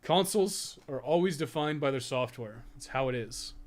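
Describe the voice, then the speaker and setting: A man's voice: medium pitch, animated, normal speed. A man giving casual, rambling livestream commentary while he plays a game, blunt and slangy with some swearing. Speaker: game livestreamer and podcast co-host.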